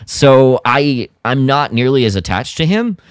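A man's voice: mid-range voice, expressive, a little slow, clean tone, no room sound, clean studio sound. A man co-hosting a podcast, sharing opinions in an informal, rambling way. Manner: rambling, informal, frequent filler "like". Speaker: podcast co-host. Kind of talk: casual chat giving opinions.

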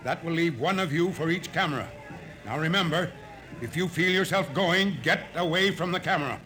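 A man's voice: on the high side, normal speed, pushed and bright. A man playing an urgent, commanding scientist in a 1950s radio drama, with clipped dramatic delivery. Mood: tense, commanding. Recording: noisy old radio recording.

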